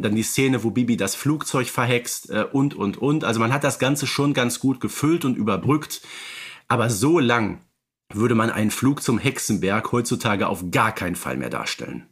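A man in casual podcast conversation, thinking aloud and often pausing on fillers. His pitch sits in the ordinary middle for a man, and he talks in an unhurried, easygoing way. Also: a bit bright, husky. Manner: reflective, many fillers and restarts. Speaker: podcast co-host. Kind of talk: casual chat.

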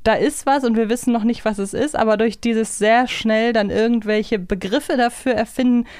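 Clear-voiced woman in casual podcast chat. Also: fairly high pitch, fairly even intonation, moderate pace, a little mellow, no room sound, clean studio sound. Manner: reflective, hedging, thinking aloud with self-corrections. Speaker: podcast co-host.

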